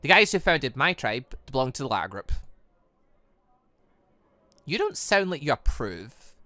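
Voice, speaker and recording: A man reading a visual novel aloud and commenting off the cuff, often stumbling and correcting himself as he rambles excitably. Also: mid-range voice, measured pace, no room sound. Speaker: gaming channel host.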